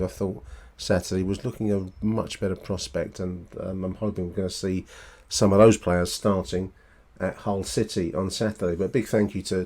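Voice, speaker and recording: A man hosting a casual fan podcast, speaking in a halting, matey way and correcting himself as he goes. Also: on the low side, darkish tone. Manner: halting, self-correcting, matey, tag questions. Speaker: podcast host.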